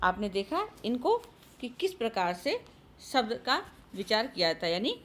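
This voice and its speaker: A woman's voice: a little high, big pitch swings, normal speed, a bit bright, slight background noise. A woman teaching a grammar lesson to schoolchildren, calling them often and asking questions she then answers herself. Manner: addresses children often, asks and answers her own questions. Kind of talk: recorded online grammar lesson.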